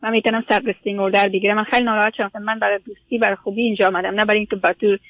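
A woman's voice: mid-range voice, flat delivery, fairly bright tone, poor audio. A woman from Afghanistan, calling a radio advice show and speaking hesitantly with many fillers and English words mixed in. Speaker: caller.

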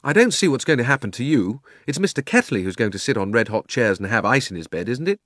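A man voicing a brisk, sarcastic young girl in a storybook, with a prim and pointed manner. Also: mid-range voice, very animated, a bit bright, dry recording, studio quality. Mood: softening. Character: brisk, sarcastic, sharp-tongued young schoolgirl.

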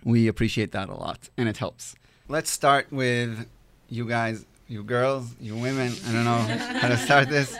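A man's voice: medium pitch, measured pace, fairly bright tone. A man hosting a podcast panel, chatty and a little self-deprecating. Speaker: podcast host.

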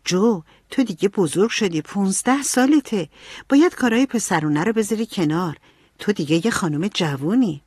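A woman's voice: mid-range voice, expressive, darkish tone, breathy edge, dry recording, clean studio sound, pitched above the performer's own voice. A sensible eldest sister, as a woman acts her out, lecturing her siblings in a motherly way. Her voice sits a little above the narrator's and rises and falls freely. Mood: reproving.

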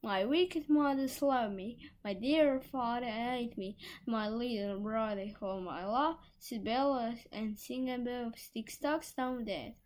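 A woman's voice: on the high side, fairly even intonation, slow pace, voice pushed up, poor audio. A woman voicing a little white songbird, the spirit of a murdered girl, in a lilting singsong chant. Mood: mournful chant. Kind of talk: storybook reading.

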